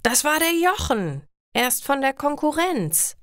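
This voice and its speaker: A woman's voice: high-pitched, big pitch swings, measured pace, fairly bright tone, no echo, studio quality, voice pushed up, exaggerated voice. A woman voicing a kindly male jeweler mixed up in crime, speaking in urgent short statements and commands. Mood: alarmed.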